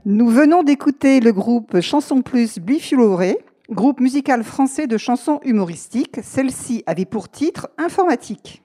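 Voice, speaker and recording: A woman's voice: fairly high pitch, lively intonation, normal speed, hardly any pauses, mellow. A woman radio host announcing a song and reading out humorous classified ads in a playful announcer manner.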